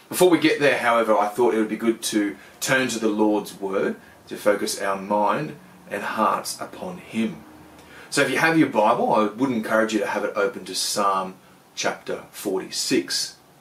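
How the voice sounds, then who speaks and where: Room echo can be heard. A man talks at a moderate pace. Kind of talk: church service welcome and scripture introduction. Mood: warm, pastoral. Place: home room. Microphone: webcam.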